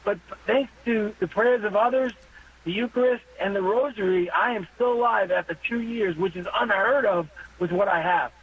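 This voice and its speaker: A man in his fifties calling in to a radio show, talking earnestly and haltingly, with many pauses and fillers. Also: high-pitched, breathy edge. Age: 50s. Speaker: caller. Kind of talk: phone-in call to a radio show. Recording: dull phone line.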